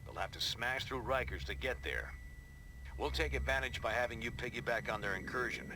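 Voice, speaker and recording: A male actor plays a no-nonsense team commander in a video game. He gives briefings bluntly and casually, in charge, with a mid-range voice. There is clear background noise. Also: medium pitch, a little fast, lightly acted. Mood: brisk, blunt.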